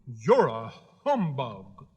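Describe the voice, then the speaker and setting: A man's voice: fairly high pitch, lively intonation, unhurried, bright, forceful tone, husky, in a large hall, muffled recording, heavily acted. A man voicing an aggrieved, mournful straw scarecrow in a plaintive manner.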